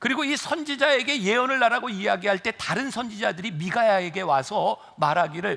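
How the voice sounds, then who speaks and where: This voice has a bright, sharp tone, moves at a fairly quick pace, and makes very wide pitch swings. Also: man. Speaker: pastor. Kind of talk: sermon. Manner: fast.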